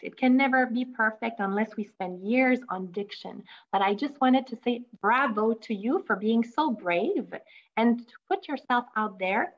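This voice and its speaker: A woman's voice: mid-range voice, dull audio. A woman hosting an interview, welcoming and encouraging her guest. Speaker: host, company head.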